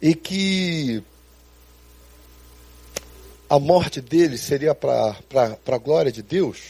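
A man's voice: fairly high pitch, very slow, vocal fry, dark tone, slightly rough, full character voice. A preacher voicing a bewildered adult male disciple who keeps pressing questions. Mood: baffled.

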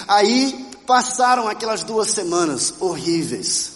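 A man from Brazil preaches a testimony sermon with a light, high voice. He tells his story with animation and turns to ask the congregation questions. His voice rings out in a hall with a long echo. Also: sing-song, slow pace, a bit bright, faint music behind. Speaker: pastor. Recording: reverberant church hall.

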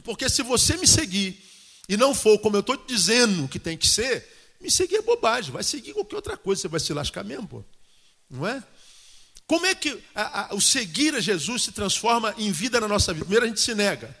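A man, a pastor preaching a colloquial, animated sermon and often asking the congregation questions. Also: sits high, a little fast, husky. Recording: long hall reverb.

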